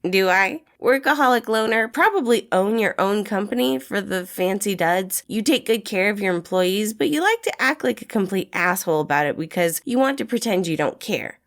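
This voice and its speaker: A woman voicing a brash, flirty, excitable man in a storybook reading, with casual, slangy, emphatic delivery. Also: medium pitch, normal speed, few pauses, pitched above the performer's own voice. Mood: teasing, confident. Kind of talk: acted storybook dialogue in fan fiction reading.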